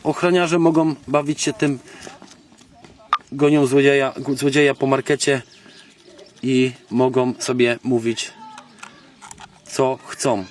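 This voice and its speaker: A man from Poland gives a casual, unscripted gadget demonstration as a video blogger, halting and thinking aloud in colloquial, slangy speech. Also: medium pitch. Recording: noisy, distant microphone, background clicks.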